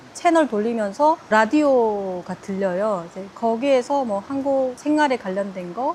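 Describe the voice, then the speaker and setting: Over noticeable background noise, a woman speaks at a fairly slow pace, her fairly high pitch making very wide swings. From North Korea, Ryanggang Province. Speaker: North Korean defector, former navy soldier. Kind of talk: interview.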